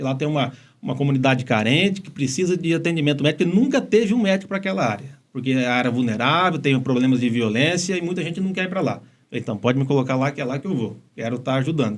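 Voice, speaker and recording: A man with a São Paulo interior accent, fairly high pitch, lively intonation and a very fast pace. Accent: caipira (São Paulo countryside). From interior of São Paulo state, Brazil. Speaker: family doctor. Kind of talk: podcast interview.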